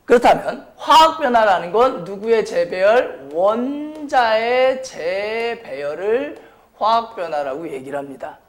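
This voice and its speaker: Guy teaching science, pretty high voice, throat sounds strained, blunt casual talk, keeps quizzing the class. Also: lively intonation, unhurried. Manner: question-and-answer delivery, repeatedly prompting students; blunt, informal speech to students. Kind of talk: high school chemistry lecture.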